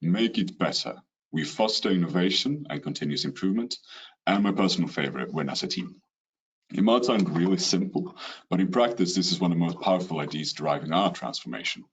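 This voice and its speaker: Through a computer mic on a call, a low-pitched, slightly rough male voice with a Swedish accent presents a business webinar fairly quickly; the audio is dull. He is from Sweden, and his rehearsed, steady delivery includes an occasional "you know."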